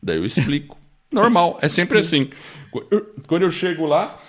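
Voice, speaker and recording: A man with a São Paulo accent, co-hosting a podcast in casual book-discussion chat, chatty and quick to laugh, often tagging lines with a questioning "né?". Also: on the high side, big pitch swings. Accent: São Paulo Portuguese. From born in the United States, raised in Brazil. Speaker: podcast co-host.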